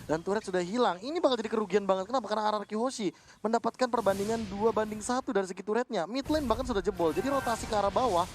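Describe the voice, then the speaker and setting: A man's voice: sits high, racing. A man with an Indonesian accent giving live esports commentary and analysis as a co-caster. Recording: clear background noise.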